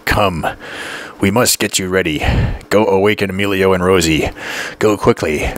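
A man's voice: sits low, moderate pace, fairly bright tone, dry recording. A man voicing a stern, anxious middle-aged mother who gives firm, urgent orders, in an audiobook reading. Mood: commanding.

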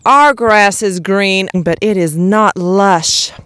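A woman with a medium-pitched voice talks casually as a homestead vlogger. Her delivery is folksy and unscripted, like someone explaining things as she goes. She is recorded outdoors on a handheld microphone. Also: takes it slowly, fairly bright tone, clear, resonant tone. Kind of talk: casual vlog commentary. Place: outdoors on a grassy farm yard.

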